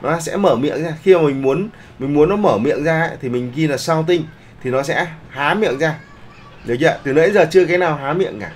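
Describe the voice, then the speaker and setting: A man's voice: fairly high pitch, brisk, slight background noise. A man teaching a live online class, often checking that the students follow along. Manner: keeps checking in with the class, polite particles. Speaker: online art instructor.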